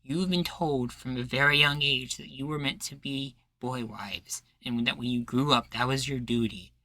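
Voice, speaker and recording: For an audio roleplay in ASMR acting style, a man plays a defiant, charismatic rebel leader who speechifies earnestly and persuasively in folksy phrasing. His natural voice is bright, forceful and medium-pitched at a moderate pace, recorded in a very dry space with no echo.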